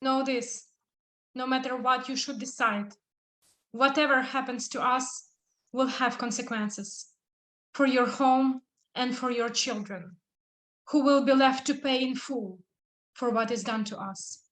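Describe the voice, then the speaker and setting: A woman's voice: high voice, fairly even intonation, measured pace, long pauses, a bit bright. A woman playing a defiant fugitive pleading for asylum in a solemn, insistent Greek tragedy reading. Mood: warning. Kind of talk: live dramatic reading of ancient Greek tragedy. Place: echoey room on a video call. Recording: roomy, echoing video call audio.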